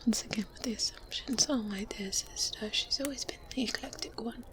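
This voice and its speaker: A woman voicing an experienced, self-assured good witch in a breathy, softly spoken ASMR roleplay, pausing deliberately and gently condescending. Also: on the high side, lightly acted. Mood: calm, self-assured. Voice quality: breathy, whispered. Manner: slow, deliberate, hesitant pauses with hums. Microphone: close binaural microphone. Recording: faint ambience noise behind close whispers. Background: medieval ambience sounds.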